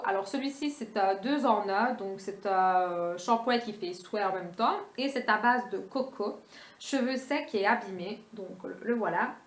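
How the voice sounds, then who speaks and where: A young woman in a casual beauty haul vlog, talking quickly and chattily with many fillers. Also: medium pitch. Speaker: beauty vlogger. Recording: echoey room.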